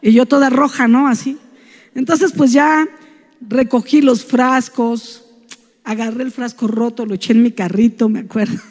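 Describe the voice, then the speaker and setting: A woman's voice: a little high, a little mellow, in a large hall. A woman with a Mexican Spanish accent, speaking in a church and telling a personal story within a sermon, chatty and tagging her sentences with "¿no?".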